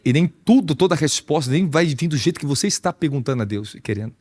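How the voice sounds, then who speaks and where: A man with a fairly high pitch speaks fast in an animated, conversational sermon as an apostle, using a Brazilian Portuguese accent and lots of rhetorical questions.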